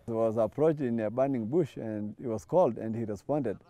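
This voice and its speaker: A middle-aged man from Tanzania, telling his story in an interview, reflective and thoughtful, pausing and restarting often. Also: mid-range voice, warm tone. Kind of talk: testimony interview. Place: outdoors by a lawn. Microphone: lapel mic.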